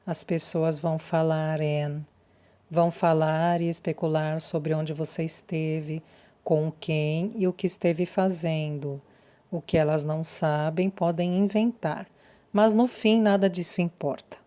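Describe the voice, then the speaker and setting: Um homem sereno e protetor, lido por uma narradora de voz grave, fala devagar e com firmeza para acalmar alguém próximo. O tom é quente e abafado, com sotaque brasileiro, em leitura de audiolivro. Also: female voice, low voice, fairly even intonation, a little slow, mellow. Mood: reassuring. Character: steady, protective adult man comforting a friend. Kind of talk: audiobook character reading.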